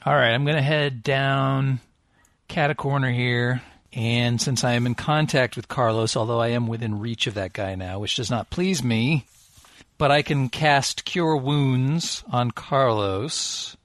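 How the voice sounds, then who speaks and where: A man at a tabletop game, narrating his own turn aloud in a wry, easygoing way. The recording is dry and close, with no room sound. His voice sits in a middle pitch. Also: unhurried, a bit bright, dry recording. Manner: wry, talks through his moves aloud. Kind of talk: casual tabletop game chat.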